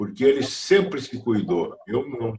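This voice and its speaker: Ordinary pitch variation from a man at a very slow pace. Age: 70s. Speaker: actor and director. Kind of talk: interview.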